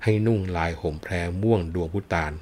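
A middle-aged man telling and explaining a classic tale, unhurried and addressing his listeners politely. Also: sits low, a little mellow, a little hiss or hum. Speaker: storyteller. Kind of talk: explanatory storytelling talk.

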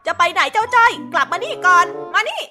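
A gruff country mother, put on by a woman, who scolds bluntly and bosses her child around in a kids' story. Her voice is fairly high. Music plays behind her. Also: expressive, a little fast. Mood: scolding. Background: background music.

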